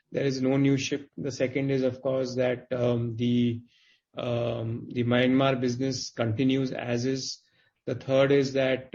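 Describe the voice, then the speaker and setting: The audio is dull and band-limited, like a conference line. A man of middling pitch answers investors as a company executive. He works through his explanations haltingly, with many qualifications. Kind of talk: earnings call answers. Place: conference call.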